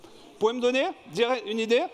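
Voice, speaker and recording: A man leading a church service as pastor, running a lively film quiz and asking the congregation questions. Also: very high voice, a little fast. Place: church hall. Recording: long reverb in a church hall.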